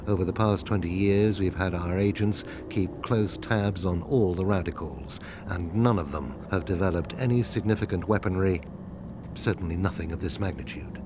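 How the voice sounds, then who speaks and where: A man plays a world-weary intelligence chief in a game cutscene, with a very deep voice. His delivery is terse and blunt, sure of his authority. There is clear background noise with a vehicle-like rumble. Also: normal speed, lightly acted. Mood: terse, grim. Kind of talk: video game cutscene acting.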